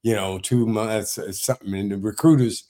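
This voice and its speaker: Older guy, a vet, rambling through his stories on a podcast, lots of uhs and you knows, lowish voice. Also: fairly even intonation, moderate pace, dark tone. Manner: rambling storytelling with fillers. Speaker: guest, military veteran. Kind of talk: casual podcast interview.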